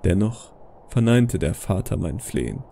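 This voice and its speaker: A man's voice: deep voice, sing-song, unhurried, vocal fry, warm tone. A man narrating a scripted horror story in a dramatic style.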